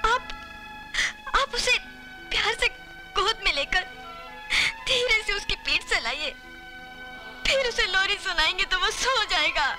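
A woman's voice: very high-pitched, expressive, a little slow, long pauses, over music. An actress playing a desperate young mother begging for her kidnapped baby, tearful and pleading. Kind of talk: 1990s Hindi film melodrama.

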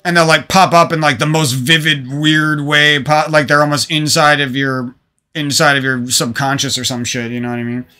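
A man's voice: fairly high pitch, steady tone, moderate pace, sharp tone, clean tone, faint music behind. A man talking to his stream viewers into a desk microphone from a room at home, venting about past relationships in a rambling, profane way with many restarts. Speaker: gaming streamer.

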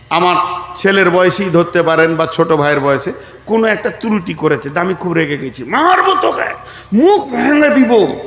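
A man from West Bengal preaching a dramatic sermon, acting out angry quotes and calling on the crowd to answer aloud. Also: on the high side. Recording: echoey hall with faint background noise.

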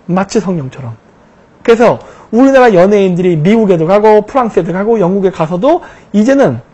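A man giving a lecture-style political commentary over slides, posing rhetorical questions and answering them himself with emphatic, drawn-out stresses. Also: high voice, mellow, slightly rough, lo-fi sound.

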